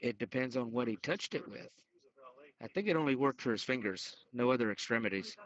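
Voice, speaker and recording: Man, podcast quiz player, casual banter, sharp mid-pitched voice, dull recording. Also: animated, brisk. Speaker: quiz contestant. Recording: dull, lo-fi online call.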